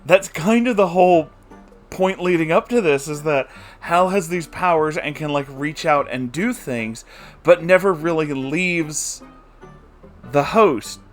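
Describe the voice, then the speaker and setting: A man's voice: on the high side, unhurried, faint music behind. A man giving a comedic recap of a book chapter, exasperated and incredulous, with laughing asides. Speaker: book reviewer.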